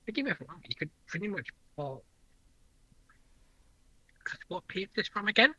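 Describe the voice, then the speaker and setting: Guy on a history panel chatting casually, really sharp bright voice, bit raspy. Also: high-pitched, big pitch swings, a little fast, no room sound, muffled recording. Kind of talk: casual unscripted discussion.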